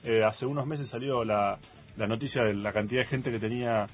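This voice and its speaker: A man with an Argentine accent co-hosting a radio tech show, explaining things in a relaxed way and often agreeing. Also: mid-range voice, brisk. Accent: Argentine Spanish. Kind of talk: casual radio chat. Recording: phone-like radio broadcast.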